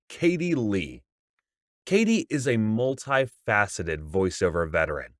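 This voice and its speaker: Lively-voiced man reading a show intro. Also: fairly low pitch, dry recording, clean studio sound. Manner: upbeat announcer read, then soft, quiet interjections. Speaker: podcast host. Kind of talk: scripted intro then interview.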